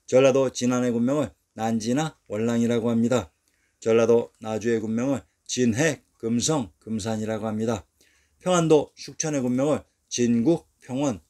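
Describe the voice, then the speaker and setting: A man reads a history narration from a script at a steady, measured pace. His voice sits in an ordinary middle pitch. He counts off place names one at a time and drops lower and quieter at the end of each sentence. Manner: measured reading, falling and quieter at sentence ends.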